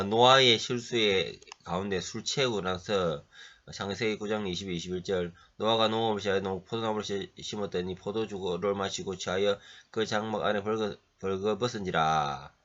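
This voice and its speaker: A man preaching a halting lecture-style sermon while he has a cold, often clearing his throat and pausing on fillers. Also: fairly low pitch, bright, forceful tone. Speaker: pastor. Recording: dull lo-fi recording.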